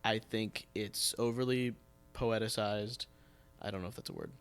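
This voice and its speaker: A man's voice: on the low side, steady tone, moderate pace, clean tone. A man chatting casually as the host of a podcast. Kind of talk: casual conversational podcast chat.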